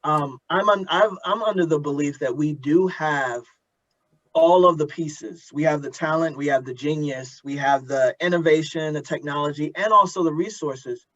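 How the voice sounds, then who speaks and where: A man with a fairly high-pitched voice hosts an earnest conversation. He is reflective and halting, often repeating words as he works toward a point. The recording is a little dull and lo-fi. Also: fairly bright tone. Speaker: interviewer and host of an audio drama community event. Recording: dull lo-fi audio.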